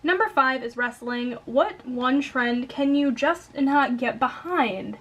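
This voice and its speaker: A woman's voice: sits high, animated, slow, fairly bright tone, husky. A young woman with a Midwestern American accent, chatting casually and upbeat to camera about coloring books, with plenty of "um" and "like". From Wisconsin, United States. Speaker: coloring YouTuber.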